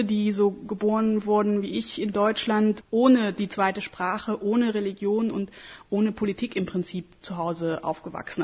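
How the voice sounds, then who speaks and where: A woman in her thirties speaks in a radio interview with thoughtful, emphatic answers and small hesitations. Her voice has a medium pitch, and the recording sounds slightly dull. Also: husky. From Germany. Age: 30s. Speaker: interviewed scholar.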